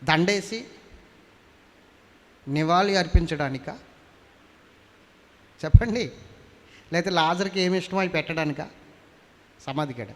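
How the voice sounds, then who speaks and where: A man's voice: a little high, a little slow, pauses often, a bit bright. A male pastor preaching a sermon, constantly questioning the congregation and climbing to fervent emphasis in a church hall.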